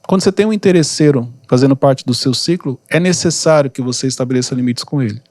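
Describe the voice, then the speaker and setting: A calm man hosting a podcast, giving relaxed advice with lots of everyday examples. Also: medium pitch, no echo. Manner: calm, unhurried, gives examples. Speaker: podcast host and mentor. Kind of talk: casual advice talk.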